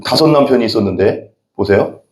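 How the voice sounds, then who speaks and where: A man's voice: medium pitch, a little fast. A man preaching a sermon as pastor, talking straight to his congregation and often throwing questions at them. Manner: animated, talks directly to the congregation with frequent questions. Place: church sanctuary. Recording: echoey church hall.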